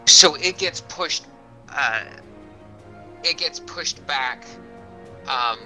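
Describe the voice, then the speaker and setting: A man running an online tabletop game as game master, halting and thinking aloud as he goes. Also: on the high side, expressive, pushed and bright, soft background music.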